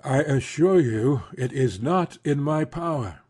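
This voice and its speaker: A man playing a courteous, reserved gentleman colonel in a dramatised classic novel, formal and restrained, with a husky voice. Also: mid-range voice, animated, a little slow. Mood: polite, grave.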